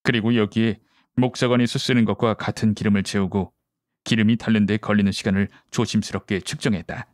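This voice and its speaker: A man's voice: fairly low pitch, steady tone, brisk, dry recording, clean studio sound. A man reading scripted story narration as an audiobook reader. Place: home recording.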